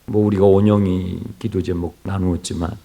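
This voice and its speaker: A male pastor gives an early-morning sermon in a church, swinging from hushed near-whispers to loud exclamations and asking the congregation questions. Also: low-pitched, level tone, moderate pace, vocal fry. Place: church sanctuary. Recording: reverberant church hall.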